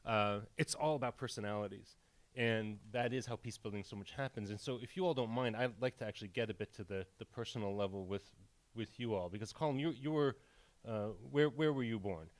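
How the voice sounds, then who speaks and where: A man moderating a live panel on stage, speaking haltingly and often rephrasing his questions as he goes. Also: lowish voice. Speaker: moderator, president of a peace-building organization. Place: on stage at a film premiere event.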